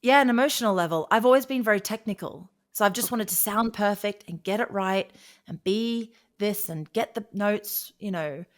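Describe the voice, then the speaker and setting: A woman speaking as an interview guest, telling personal stories in a casual, conversational and animated way. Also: medium pitch, moderate pace. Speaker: guest, singer and vocal coach.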